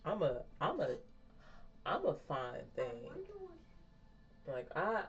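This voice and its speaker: A woman in her thirties vlogs in a slow, sing-song, low voice, rambling candidly to her viewers and frequently laughing at herself. The sound is dull and lo-fi, with faint music playing behind her.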